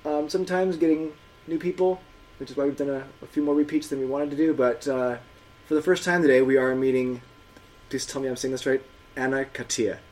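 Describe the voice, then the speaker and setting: A male podcast host at an ordinary mid-range pitch, chatting loosely and circling back on himself with lots of ums and you-knows. He sounds easygoing and conversational as he introduces the episode. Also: steady tone, fairly quick, a little mellow, poor audio. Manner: rambling, filler-heavy, chatty. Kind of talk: casual podcast introduction and interview.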